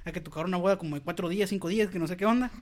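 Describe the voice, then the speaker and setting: A man, a podcast host telling a story in casual chat, animated and slangy, acting out quotes and sound effects. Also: high voice, racing.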